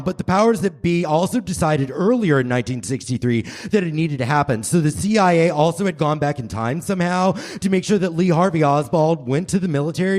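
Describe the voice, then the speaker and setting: A man's voice: on the high side, a little mellow, lightly acted. A man playing an earnest, urgent grown son from the future in a staged radio play parody, declamatory in his explanations.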